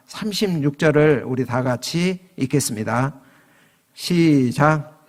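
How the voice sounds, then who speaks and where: A man preaching a sermon as pastor, switching into raised voices for quoted lines. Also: fairly high pitch. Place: church sanctuary. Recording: long reverb of a church hall.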